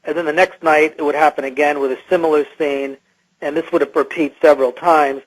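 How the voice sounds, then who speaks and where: A male interview guest whose voice has been electronically altered to disguise him, sitting on the high side for a man. He recounts his own experiences in a halting, hesitant way, feeling for his words as he goes. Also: steady tone, poor audio.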